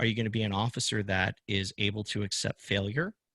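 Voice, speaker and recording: A man with an American accent and a fairly low pitch, an ordinary speaking voice, talks at a fairly quick pace with fairly even intonation, and the sound is dry and close with no echo on a very clean recording with a silent background. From Chicago area, Illinois. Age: 40s. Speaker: fire lieutenant and instructor. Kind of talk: podcast interview. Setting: studio with camera and microphone.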